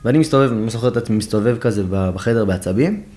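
A young man with a low-pitched voice tells his own story to an interviewer. He acts out the voices of the people in it with lively energy, then drops to a hushed tone for the painful moments. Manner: animated storyteller who acts out quoted dialogue, dropping to a hushed, emotional tone. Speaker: guest, project founder.

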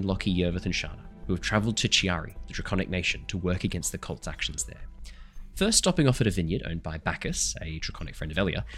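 A man running a tabletop game as dungeon master, slightly hoarse, chatty and apologetic while he sets up the session and reads the recap. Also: deep voice. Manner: chatty, apologetic, laughing between remarks. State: hoarse after illness.

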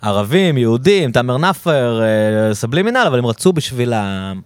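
A man's voice: medium pitch, sing-song, smooth, no room sound. A man with an Israeli accent chatting casually as an interviewer.

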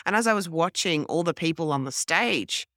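An Australian woman in her forties tells her story in a restless, self-correcting rush, her first language French. Her voice is bright and smooth. The sound is dry and close. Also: deep voice, lively intonation, normal speed, dry recording. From grew up in French Polynesia, then Australia. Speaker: podcast guest. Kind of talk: casual interview storytelling. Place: hotel room.

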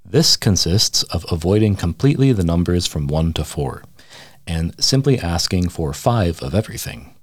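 Very low voiced guy reading a funny essay, deadpan and mock serious, dry close sound. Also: moderate pace, no room sound. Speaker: radio essayist. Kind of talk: humorous essay read aloud.

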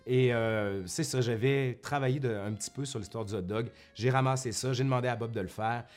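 At home in front of a bookshelf, a university professor from Quebec who runs a history YouTube channel chats casually to viewers in a vlog monologue. His medium-pitched, slightly mellow voice, with a Québécois French accent, moves a little fast over faint music. He is chatty, often corrects himself and drops colloquial asides, like a professor turned vlogger.

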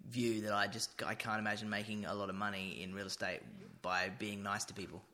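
A man's voice: fairly low pitch, flat delivery, a little fast, pushed and bright. A man co-hosting a casual chat, jokey and self-deprecating. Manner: jokey, self-deprecating, breaks into silly put-on voices. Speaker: podcast co-host.

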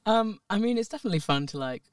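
A man's voice: high voice, lively intonation, racing, clean tone, dry recording, clean studio sound, recorded from a distance. A man, a guest actor, chatting casually and upbeat on a podcast with frequent laughs.

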